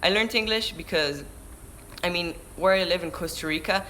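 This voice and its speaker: A man's voice: high voice, normal speed, bright, forceful tone, slight background noise, rough recording. Teen guy with a Hebrew accent. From Israel. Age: teens. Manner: chatty, restarts mid-word, answers questions read aloud. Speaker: surfer vlogger. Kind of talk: live stream Q&A reading chat questions. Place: indoors by a window. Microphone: camera-mounted shotgun mic.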